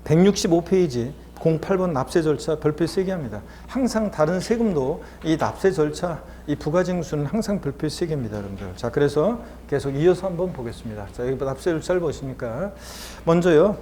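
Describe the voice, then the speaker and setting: A man's voice: a little high, lively intonation, fairly quick, warm tone, a little hiss or hum. A man teaching a lecture course in a chatty, encouraging way. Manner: chatty and encouraging, often starts with "자". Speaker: instructor.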